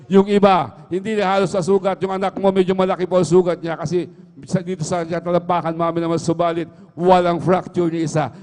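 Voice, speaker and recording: A man's voice: high-pitched, darkish tone. A middle-aged man giving an earnest spoken testimony at a church worship service, repeating his address to the congregation over and over. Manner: earnest, repeats "mga minamahal" constantly. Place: church hall. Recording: livestream with long hall reverb.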